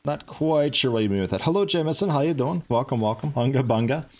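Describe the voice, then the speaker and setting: A man livestreaming a video game, chatting in a mellow, soothing, rambling way. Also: mid-range voice, lively intonation, fast. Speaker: gaming livestreamer. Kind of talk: casual livestream commentary.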